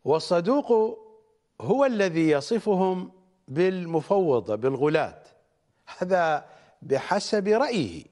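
Man, religious lecturer, fairly high voice, very slow measured delivery, emphatic peaks. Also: big pitch swings, a little mellow. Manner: deliberate, emphatic, rising on key words. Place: studio.

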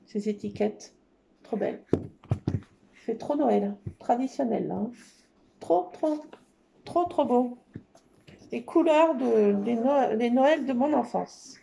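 A woman's voice: fairly high pitch, animated, takes it slowly, gravelly, pauses often, warm tone, a little hiss or hum. A woman showing off scrapbooking paper in casual chat, enthusiastic and full of fillers. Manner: enthusiastic, many fillers, repeats "trop beau". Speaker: scrapbooking crafter. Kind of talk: casual show-and-tell of craft paper.

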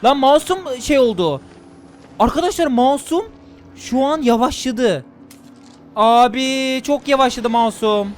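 A young man streaming a horror game run, giving fast excitable commentary to himself and viewers. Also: extremely high pitch, a little hiss or hum. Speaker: gaming streamer. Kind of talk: excited let's-play commentary.

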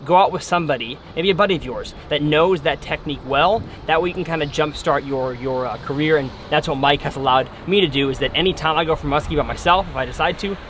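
A man's voice: fairly high pitch, quick pace, few pauses, fairly bright tone, slight background noise. Upbeat young male fishing host. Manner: upbeat, direct to viewers. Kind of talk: casual interview and vlog talk. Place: fishing boat on a lake, outdoors.

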